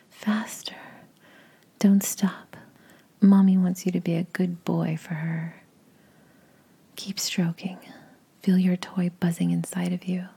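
A woman whispering close to the mic in a slow, coaxing, commanding voice for an intimate audio roleplay. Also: on the low side, warm tone, breathy edge. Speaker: adult audio performer.

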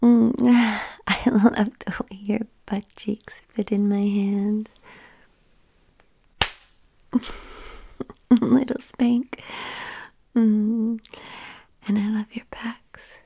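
A woman whispering softly and tenderly into a close mic in an intimate ASMR roleplay. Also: mid-range voice, level tone, drawn-out words, creaky, long pauses, breathy edge. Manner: tender, soothing.

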